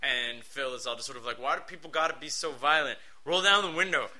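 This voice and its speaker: A man's voice: mid-range voice, fast, pushed and bright. A man hosting a podcast, telling a story in casual chat, laughing and swearing a lot. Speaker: podcast host.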